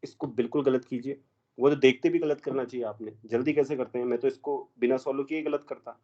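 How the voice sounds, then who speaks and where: This is a man giving a math lecture in a classroom, and he keeps quizzing his students as he works through exam options. His voice is dark and mellow. The recording sounds dull and lo-fi. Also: mid-range voice, steady tone, quick pace. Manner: mixes Hindi with English math terms, quizzes students. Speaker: math teacher.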